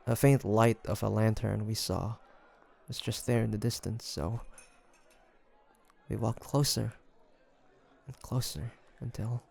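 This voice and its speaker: A man's voice: on the low side, steady tone, a little slow, vocal fry, pauses often, a little mellow. A man playing a young demon hunter in an audio roleplay, flustered and haunted, speaking in hesitant, stammering phrases. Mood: haunted, grave. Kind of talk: scripted audio roleplay monologue.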